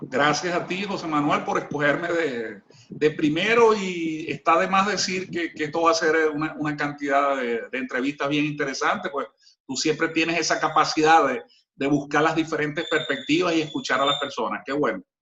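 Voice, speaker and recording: Fairly high male speech at a medium tempo with normal pitch variation. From Venezuela, Zulia (Maracaibo). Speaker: real estate businessman. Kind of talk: interview. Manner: hesitant, repeats words.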